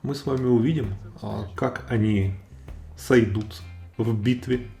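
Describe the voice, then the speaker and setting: A man narrating a nature vlog in a relaxed storytelling style, with halting, thoughtful phrasing. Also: mid-range voice, creaky. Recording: roomy echo, guitar music behind.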